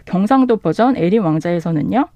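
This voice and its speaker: A woman's voice: on the low side, animated, a little fast, warm tone, no room sound, highs cut off. A woman from Seoul, a bookshop owner chatting as a guest, laughing often. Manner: chatty, laughs often, reads dialect lines aloud. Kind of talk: casual radio chat.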